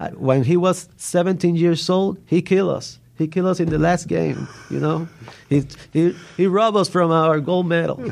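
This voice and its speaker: Speaking with a Spanish accent, a man uses a high pitch and fairly even intonation. He keeps a moderate pace. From Puerto Rico. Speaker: filmmaker. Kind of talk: interview. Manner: halting.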